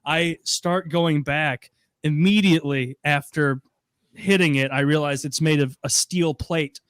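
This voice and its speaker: Animated young man telling a story. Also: on the high side, unhurried, smooth, no room sound. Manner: animated, swearing, acts out quoted people. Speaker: podcast co-host. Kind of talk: casual storytelling on a podcast.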